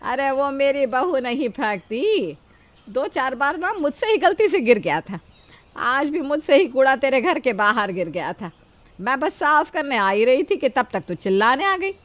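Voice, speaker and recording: A woman's voice: high voice, sing-song, moderate pace, no room sound. A middle-aged woman playing a kind, protective mother-in-law who scolds yet shields her daughter-in-law.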